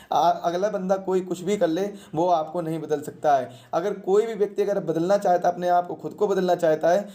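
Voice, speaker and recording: An exam coach with a mellow, relaxed tone teaches through questions and answers. The delivery is didactic, restating each point and asking rhetorical questions before answering them. The pitch sits in a middle register.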